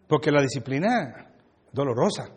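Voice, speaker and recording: Here the Puerto Rican pastor from Brooklyn keeps his sermon conversational and joking, exchanging remarks with his congregation, his accent Puerto Rican Spanish. He speaks in a mid-range voice at a moderate pace, with lively intonation and a breathy edge, and the church hall leaves a long reverb tail.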